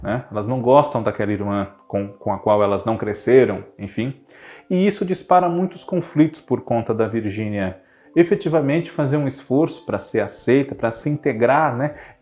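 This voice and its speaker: Over a quiet background, a man at a medium pitch talks at a moderate pace with very wide pitch swings. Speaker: YouTube channel presenter on TV history. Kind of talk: solo presentation video. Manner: frequent fillers like né.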